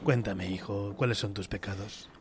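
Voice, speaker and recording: A man voicing a calm older priest hearing confession, with a Spanish accent, speaking gently and solemnly. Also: lowish voice, moderate pace, a little hiss or hum, pitched below the performer's own voice, natural voice.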